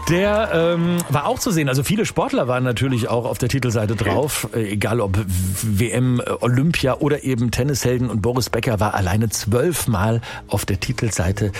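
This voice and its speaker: A man hosting a radio quiz phone-in, upbeat and quick, laughing often. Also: mid-range voice, a little mellow, soft background music. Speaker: radio host. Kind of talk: radio quiz show chat.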